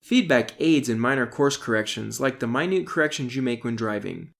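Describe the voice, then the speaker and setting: A middle-aged man, an author, reads his self-help audiobook in a deliberate, instructional way, stressing key terms. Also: medium pitch, lively intonation, vocal fry, fairly bright tone. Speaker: author reading own audiobook.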